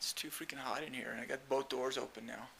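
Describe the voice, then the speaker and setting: The pitch of this man's voice is medium. He speaks at a moderate pace. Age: 60s. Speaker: vlogger. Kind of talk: casual monologue vlog. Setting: indoors then on porch. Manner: rambling, halting.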